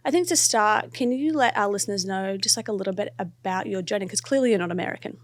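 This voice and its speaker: A woman's voice: medium pitch, quick pace. A woman hosting a podcast, reading the intro and interviewing a guest in a friendly way, laughing along often. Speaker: podcast host.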